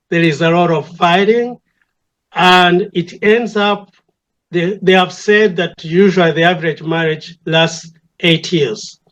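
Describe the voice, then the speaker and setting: An older man with a Ugandan accent, a church elder speaking reflectively and deliberately as an interview guest, repeating phrases for emphasis. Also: sits high, dull audio. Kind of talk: reflective conversation.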